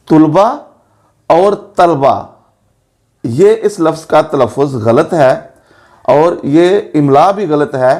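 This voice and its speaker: A man gives an Urdu pronunciation lesson in a slow, careful cadence. His voice sits a little high for a man, and he names each vowel mark as he goes. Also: a little mellow. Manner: slow, deliberate, spells out vowel marks. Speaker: Urdu language teacher.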